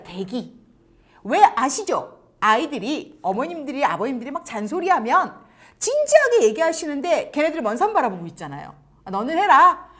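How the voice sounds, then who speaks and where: A woman with a high voice gives parents advice in a lecture. Her pitch leaps up and down all the time, and she acts out little scenes. Now and then her voice sinks almost to a whisper to stress a point. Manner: animated, acts out quoted lines; drops to near-whispers for emphasis. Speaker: education commentator and host.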